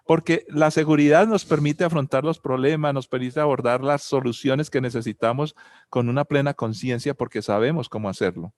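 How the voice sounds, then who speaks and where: Medium-pitched and darkish in tone, the man speaks at a moderate pace with a Colombian accent. His talk is a reflective one about family and spirituality, built around personal anecdotes and plenty of rhetorical questions.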